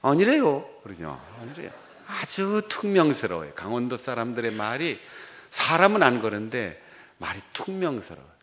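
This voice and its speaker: A man's voice: medium pitch, normal speed. A middle-aged male pastor with a Gangwon Korean accent, preaching a sermon and telling stories that act out quoted dialogue. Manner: animated storytelling, acting out quoted dialogue.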